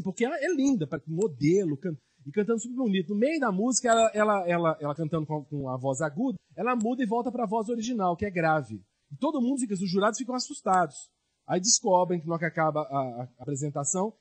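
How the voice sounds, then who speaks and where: A man's voice: high-pitched, husky. A man preaching a sermon as a pastor, asking his congregation rhetorical questions.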